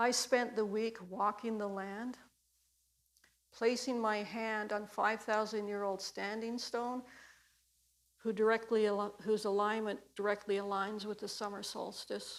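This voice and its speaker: A woman talks at a fairly slow pace with a fairly high pitch. Her intonation is flat and monotone. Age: 60s. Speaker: storyteller at mental health event. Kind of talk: personal storytelling on stage. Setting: stage, livestreamed event.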